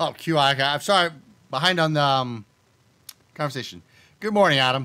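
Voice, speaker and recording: A man speaks loudly at a very fast pace, his fairly high voice bright and sharp with ordinary pitch variation, on a very clean recording with a silent background. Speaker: game development streamer. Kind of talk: live stream coding chat. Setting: home desk with green screen, live stream.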